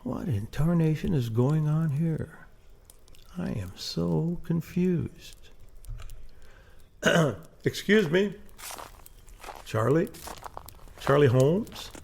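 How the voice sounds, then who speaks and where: Man playing gravelly, folksy police captain. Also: fairly high pitch, animated, drawn-out words, pauses often, a little mellow, full character voice. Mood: baffled. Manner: folksy, drawling exclamations. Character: folksy male police captain and caretaker, easygoing. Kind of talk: audio drama acting.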